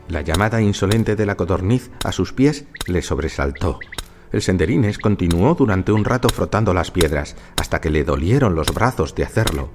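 A man narrating a story in an expressive, dramatic reading style. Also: deep voice.

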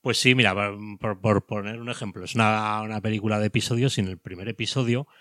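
A man from Spain in a casual podcast chat, animated and swearing, laughing often. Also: on the low side, fast talker, dry recording, studio quality. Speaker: podcast co-host.

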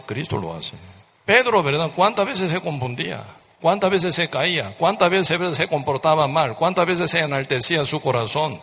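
A man's voice: a little high, bright, forceful tone, husky. A man preaching a sermon with fervent repetition, often tossing rhetorical questions at his listeners. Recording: reverberant hall.

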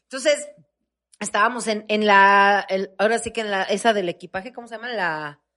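A Mexican woman in casual chat, telling a story in an animated way and acting out the voices of people in it. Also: medium pitch, moderate pace.

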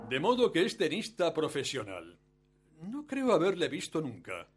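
A rich, betrayed husband in a radio drama. His voice is rather high and husky, with lively swings of pitch, and he speaks with polished courtesy that carries a smug, cruel threat. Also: exaggerated voice. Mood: suave menace. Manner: suave, mock-courteous, deliberate hesitations. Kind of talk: Spanish-language radio play acting.

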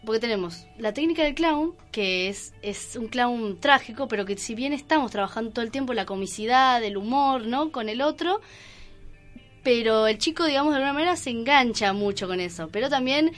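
A woman with a Buenos Aires accent explaining things in a casual radio interview, haltingly and checking that she is followed. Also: on the high side, animated. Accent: Buenos Aires Argentine. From Argentina, Buenos Aires province. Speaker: guest, clown theatre performer. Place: radio studio. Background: music.

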